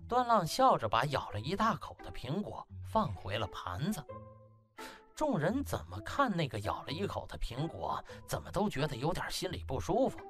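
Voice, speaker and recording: A man's voice: fairly high pitch, wildly swooping pitch, normal speed, a bit bright. Male audiobook narrator, theatrical comic storytelling, hugely varied intonation, music behind the voice. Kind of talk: dramatic comic novel narration.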